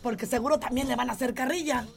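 A woman's voice: high voice, quick pace, gravelly. A woman with a Mexican accent co-hosting a casual gossip podcast, playful and teasing with slangy remarks. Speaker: podcast co-host.

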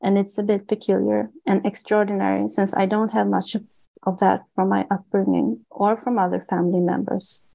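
A Swedish-accented woman reads aloud from her own book in a steady, earnest way. Her voice is gravelly and mellow, and she sometimes restarts a word before carrying on. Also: mid-range voice, poor audio. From Sweden. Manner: earnest and measured, with small restarts on words. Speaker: author and guest.

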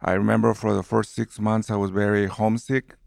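A man's voice: on the low side, a little fast, gravelly, no echo, studio quality. A man in his fifties from Guatemala with a Guatemalan Spanish accent, animatedly telling his life story in an interview. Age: 50s. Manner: warm, animated storyteller who laughs easily. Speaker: movie theater manager.

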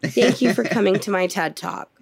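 A woman's voice: medium pitch, moderate pace, vocal fry. A woman in her thirties co-hosting a podcast, blunt and swearing freely as she tells dramatic stories, worn out after an illness. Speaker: podcast co-host. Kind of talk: casual chat.

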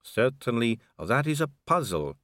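A man playing a calm, sly vampire lady. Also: medium pitch, a little slow, dry recording, studio quality. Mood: smooth, courteous. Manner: cool, drawling, amused and poised. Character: calm, elegant, sly female vampire noblewoman. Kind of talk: audiobook character reading.

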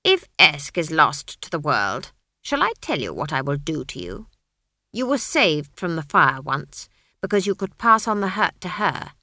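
A woman voicing a stern, sharp-tongued old witch who scolds and commands in clipped phrases. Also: low voice, very animated, a little slow, no echo, studio quality, heavily acted. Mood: menacing. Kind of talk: audiobook character voice.

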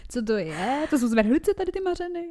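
Young woman co-host, blunt and giggly, curses freely, slightly high voice, casual podcast chat. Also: sing-song, warm tone.

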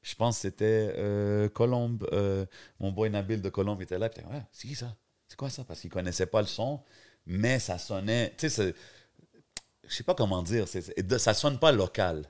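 A man's voice: fairly low pitch, normal speed, a little mellow. A man hosting a podcast in casual chat, full of hyped, slangy reactions. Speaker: podcast host.

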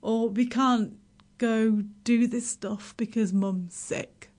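A woman's voice: a little high, steady tone, darkish tone. A middle-aged woman from Yorkshire speaks with a Yorkshire accent. She talks as a guest on a radio show, laughing often and poking fun at herself. Her sentences start over and stumble along in a chatty way. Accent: Yorkshire English. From Yorkshire, England. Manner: self-deprecating, laughs often, halting restarts. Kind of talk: casual radio interview.

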